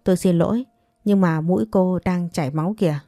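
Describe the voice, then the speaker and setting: A woman's voice: on the low side, a little fast, dark tone, no room sound, studio quality, natural voice. A woman reading the part of a clumsy young man who stammers apologies. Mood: apologetic.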